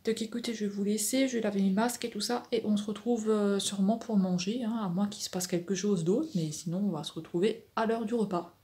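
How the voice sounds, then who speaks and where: A woman's voice: mid-range voice, fairly even intonation, fairly quick, hardly any pauses, mellow, slightly rough. A woman in her thirties vlogging casually from home, rambling with lots of hesitations, recorded on a phone's microphone. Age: 30s. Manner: rambling, hesitant, full of fillers and restarts. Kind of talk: casual vlog chat to camera.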